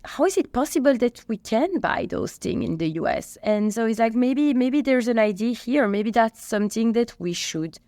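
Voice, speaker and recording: A woman in her thirties from Belgium with a Belgian accent, chatty and animated as she answers interview questions. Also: fairly high pitch, normal speed, few pauses, no room sound. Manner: chatty, animated storytelling with restarts. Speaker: company co-founder and CEO.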